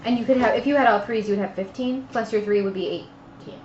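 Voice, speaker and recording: A woman with a slightly high voice talks casually through her moves as a game player. The sound is echoey and dull, with faint noise. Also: fast, a little mellow. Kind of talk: casual tabletop game chat. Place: indoor room, group around a game table. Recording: roomy, dull lo-fi live stream with noise.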